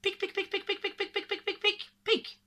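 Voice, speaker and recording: A woman's voice: very high voice, completely flat delivery, normal speed, sharp tone, pitched above the performer's own voice. A woman voicing small forest creatures in a storybook with repeated onomatopoeic syllables. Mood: teasing. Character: small forest animals: pecking, buzzing, cawing, chattering creatures.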